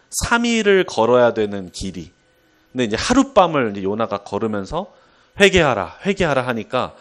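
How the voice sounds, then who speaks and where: Male preacher, lively storyteller, expressive rising and falling pitch, mid-range voice. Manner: animated storytelling with chuckles. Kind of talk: sermon.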